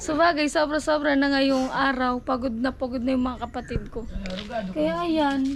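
High-pitched female speech against noticeable background noise. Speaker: vlogger. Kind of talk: casual vlog. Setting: outdoors at home, family construction site. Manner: animated, laughs often.

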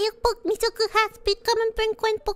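A put-on character voice, squeaky and extremely high in pitch.

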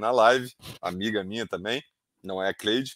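A man speaks against a quiet background, and the sound is dry with no echo. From Brazil, Rio de Janeiro (Vila Isabel/Tijuca); Rio de Janeiro, Brazil. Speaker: doctor, orthopedist. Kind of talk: live stream medical talk with viewer Q&A. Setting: live stream. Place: home room. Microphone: headset.

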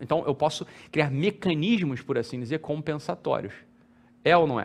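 A man at a moderate pace, lively intonation, with long, frequent pauses. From Brazil. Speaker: lecturer. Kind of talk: lecture. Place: studio. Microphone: headset.

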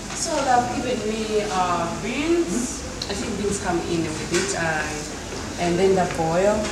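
Amid loud background noise and audible room echo, a woman speaks at a very slow pace. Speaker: food vlogger. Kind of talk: casual vlog chat. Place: cafe.

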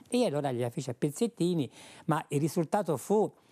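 A man's fairly high voice with a dark, mellow tone and very wide pitch swings, over a quiet background. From Tuscany, province of Lucca; Tuscany. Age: 70s. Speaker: chef; guest. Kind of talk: TV interview. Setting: TV studio. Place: studio.

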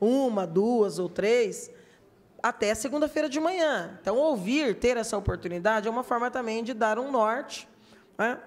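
In an animated tone, a woman speaks at a fairly slow pace with a fairly high pitch and lively intonation. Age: 50s. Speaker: city councillor chairing a committee. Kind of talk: public council meeting. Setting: council chamber with microphones and audience. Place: hall. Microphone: podium.

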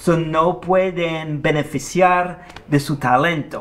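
A man with a French accent, fairly high-pitched, at a very slow pace. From France. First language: French (speaking Spanish). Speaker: economics professor; interviewee. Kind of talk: interview. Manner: halting, with many fillers and repetitions. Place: studio. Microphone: lapel.

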